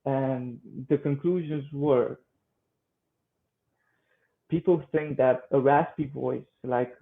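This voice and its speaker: A man in his twenties from Romania with a Romanian accent, answering interview questions conversationally in a halting way, often repeating words. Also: mid-range voice, steady tone, vocal fry. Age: 20s. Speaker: guest, vocal coach and singer-songwriter. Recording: thin phone-like line.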